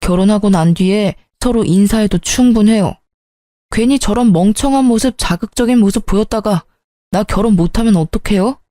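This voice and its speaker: A woman voicing an earnest young adult son who turns sharp and irritable, speaking in clipped, pleading sentences. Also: mid-range voice, normal speed, no room sound, clean studio sound, lightly acted. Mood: irritated.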